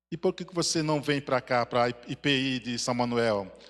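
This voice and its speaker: A man speaks at a medium pitch with ordinary pitch variation and a non-native accent. The recording is very clean, with a silent background. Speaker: itinerant missionary. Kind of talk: sermon.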